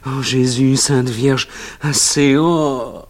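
A man reading aloud, voicing a gravely wounded young Italian soldier who cries out in agony and begs for the end. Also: medium pitch, steady tone, drawn-out words, pitched above the performer's own voice. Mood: agonized pleading. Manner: pleading, crying out in agony.

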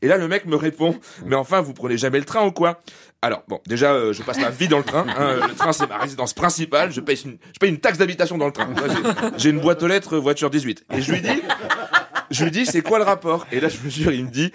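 A man's voice: on the high side, lively intonation, quick pace, crowd noise. A man performing a sardonic stand-up routine in punchy bursts, played back from a radio segment. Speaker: comedian doing a radio column.

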